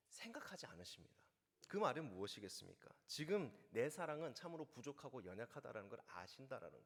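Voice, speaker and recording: Korean pastor preaching with lively pitch. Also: male voice, long reverb tail. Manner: storytelling, slows down for quotes. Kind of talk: sermon.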